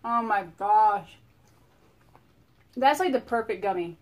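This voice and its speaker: A woman's voice: mid-range voice, expressive, slow pace. A young woman chatting casually with her friend, reading snack descriptions aloud with enthusiastic slang. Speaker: friend co-hosting. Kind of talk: casual unboxing chat. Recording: faint background noise.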